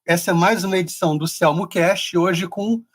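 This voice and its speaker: A man's voice: sits high, normal speed. A man with a Carioca accent hosting a podcast, chatting casually with many small restarts. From Rio de Janeiro. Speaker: podcast host. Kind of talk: casual interview chat.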